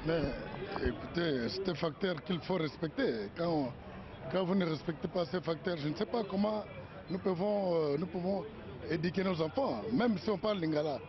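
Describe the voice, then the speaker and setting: A man's voice: on the high side, moderate pace. A man speaking firmly and insistently in a street interview. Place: busy street outdoors. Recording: dull lo-fi street recording with crowd.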